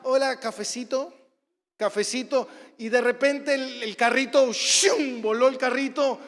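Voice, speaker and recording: A man, a pastor with a Rioplatense Argentine accent, preaching a sermon and acting out stories, at times bursting into shouts. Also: very high-pitched. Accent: Rioplatense Spanish. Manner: storytelling, acts out scenes, bursts into shouts. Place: church hall. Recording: church hall reverb.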